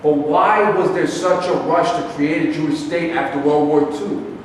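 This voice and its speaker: Male actor as accusing Arab man in political argument, highish voice, stage reading in a very reverberant hall. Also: normal speed, close to an everyday voice. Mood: insistent. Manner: argumentative, rhetorical, formal wording. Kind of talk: staged play reading, declaimed debate dialogue. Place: live staged reading in a reverberant room, distant microphone. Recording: echoey hall from far off, faint noise.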